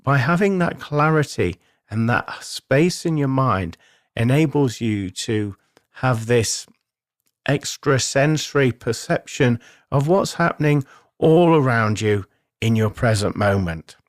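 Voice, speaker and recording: A man's voice: medium pitch, lively intonation, slow, dry recording. Man hosting spiritual radio, dry close sound. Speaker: radio show host, spiritual medium. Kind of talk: spiritual self-help radio monologue.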